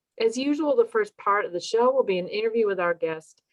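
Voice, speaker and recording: A woman with a plain, everyday voice, at a moderate pace with ordinary pitch variation. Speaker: talk show host. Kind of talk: hosted interview show. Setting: video call.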